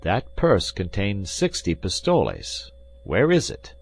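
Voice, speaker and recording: A man's voice: lowish voice, huge pitch swings, slow, gravelly, husky, pitched above the performer's own voice, exaggerated voice. A man playing a sardonic, hard-drinking musketeer. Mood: commanding. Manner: commanding, dry and ironic. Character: world-weary drinking male musketeer, proud and sardonic. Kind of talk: audiobook character reading.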